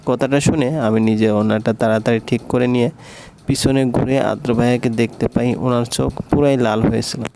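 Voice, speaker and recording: A man narrating a romantic story aloud in a steady, even storytelling manner. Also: mid-range voice, normal speed, background noise.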